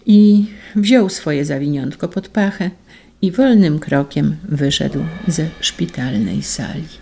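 A reader narrating a classic story in a slow, hushed and measured way. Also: mid-range voice, lively intonation, creaky. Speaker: audiobook narrator. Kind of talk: scripted literary narration.

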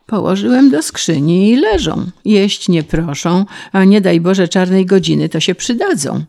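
A man's voice: high-pitched, animated, unhurried, gravelly, a little mellow, heavily acted. A woman voicing a stubborn, plain-spoken male peasant farmer with a blunt, homely way of talking.

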